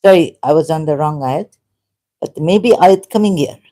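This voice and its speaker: A woman's voice: sits low, moderate pace, dark tone. A woman giving a solo commentary, reading verses aloud and thinking aloud as she argues. She breaks off mid-phrase and asks her listeners questions.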